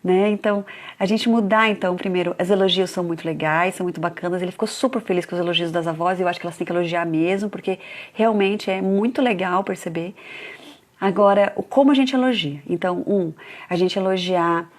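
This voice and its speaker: A parenting educator in her thirties, with a lowish voice and fast delivery, gives a live talk on parenting. She tells stories about her children, acting out the family dialogue of what was said.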